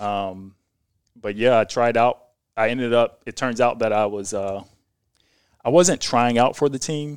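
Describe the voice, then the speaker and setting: A man with an American accent, medium pitch and ordinary pitch variation, with long, frequent pauses, in a dry, close recording with no echo, very clean with a silent background. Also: fairly slow pace. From southern Indiana. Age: 30s. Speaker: moving company owner and former basketball player. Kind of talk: casual interview.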